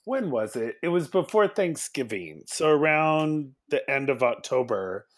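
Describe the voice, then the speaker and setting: A man's voice: mid-range voice, very animated, unhurried. A man telling a personal story casually as a podcast guest.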